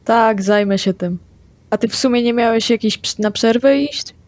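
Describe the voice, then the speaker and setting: A woman playing a tabletop vampire game, declaring her character's actions in a quick, plain manner. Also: on the high side, a little mellow, no room sound. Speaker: player.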